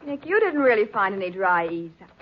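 A woman's voice: medium pitch, very animated, normal speed, slight background noise, close to an everyday voice. A woman playing a detective's eager, inquisitive assistant in a 1940s radio crime drama. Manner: questioning, exclaiming. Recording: dull old radio recording.

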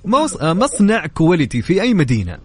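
A man's voice: sits high, wildly swooping pitch, fast, breathy edge. A man with a Saudi accent hosting live radio, effusive, welcoming and colloquial, chatting through contests and announcements. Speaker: radio show host. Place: radio studio. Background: music bed.

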